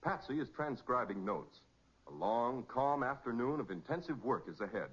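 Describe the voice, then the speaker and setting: A man's voice: medium pitch, sing-song, normal speed, a bit bright, husky. An American man announcing and narrating in scripted 1940s radio style, dramatic and emphatic. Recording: muffled 1940s radio recording.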